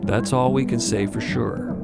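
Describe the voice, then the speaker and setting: A man voicing an elderly bartender, stern but gentle and grandfatherly, in measured audio drama speech. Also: mid-range voice, steady tone, vocal fry, over a noisy crowd. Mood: gentle, wistful. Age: older. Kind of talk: audio drama character acting. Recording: music under the voice.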